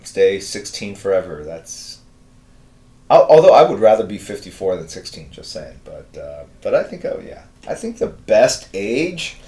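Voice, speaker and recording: A man's voice: lowish voice, very animated, normal speed, dark tone, echoey room. A man in his fifties hosting a live drawing stream, chatting casually with viewers and rambling through answers with many fillers. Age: 50s. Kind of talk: casual chat reading viewer messages.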